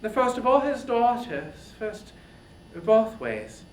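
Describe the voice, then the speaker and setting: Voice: mid-range voice, sing-song, takes it slowly, echoey room, a little hiss or hum, voice pushed up, poor audio. Performer playing a wily, imperious goddess queen. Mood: indignant.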